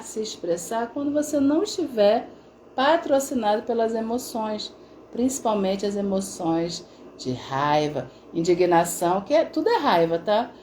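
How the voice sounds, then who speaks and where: Mellow-voiced middle-aged woman chatting. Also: medium pitch, slight background noise. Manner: conversational storytelling, frequent tag questions. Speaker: integrative therapist. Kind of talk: casual live-stream talk with viewers.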